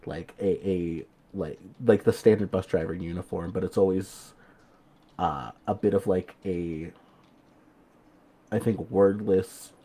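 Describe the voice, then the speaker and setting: A man's voice: sits low, warm tone, breathy edge. A man improvising narration as a player in a tabletop game, hesitant and informal, thinking aloud.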